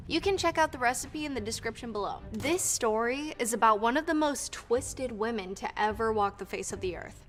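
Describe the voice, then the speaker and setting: A woman's voice: a little high, fairly bright tone, in a large hall. A woman hosting a cooking and true crime show, opening it in a chatty, welcoming way. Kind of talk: upbeat show introduction.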